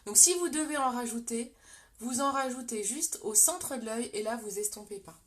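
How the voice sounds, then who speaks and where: A woman's voice: a little high, animated, normal speed. A young French woman with a French accent, chatting with viewers as she hosts a live makeup tutorial. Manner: chatty, talks to viewers and reads comments. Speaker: makeup livestream host.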